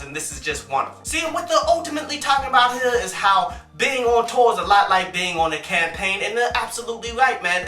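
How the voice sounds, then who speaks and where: A young man with a high, bright voice hosts a casual music review, speaking in a relaxed way full of "man" and "and such." He sounds a little away from the mic in a roomy, echoing space. Faint music plays underneath him. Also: recorded from a distance. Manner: laid-back, peppers talk with "man" and "and such". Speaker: music reviewer and show host. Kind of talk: casual vlog-style commentary.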